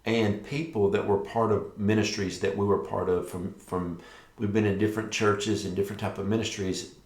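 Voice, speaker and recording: Echoey low-voiced man, mouth sore after dental surgery. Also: steady tone, moderate pace, darkish tone. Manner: careful, slightly impeded speech from a sore, stitched mouth after dental surgery. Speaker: ministry leader hosting a prophetic show. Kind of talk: devotional talk with read-out prophetic words. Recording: echoey, roomy sound.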